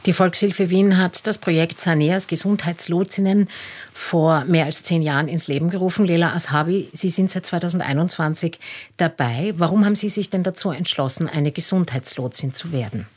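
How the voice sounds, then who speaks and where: Radio host woman, low and husky, measured. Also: a little mellow. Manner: measured, scripted questions. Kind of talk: radio interview.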